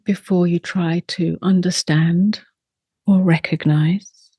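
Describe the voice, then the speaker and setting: Very slow, soft woman guiding meditation. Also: lowish voice, fairly even intonation, husky, no echo. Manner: soft, unhurried, long pauses between short phrases. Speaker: meditation teacher.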